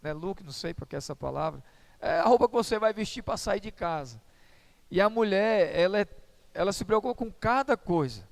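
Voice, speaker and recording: A man with a high, clear and resonant voice delivers a sermon as pastor. He preaches in a relaxed, conversational way, mixing humor and everyday stories into the message. The voice carries the easy warmth of someone talking directly to a church congregation. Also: brisk.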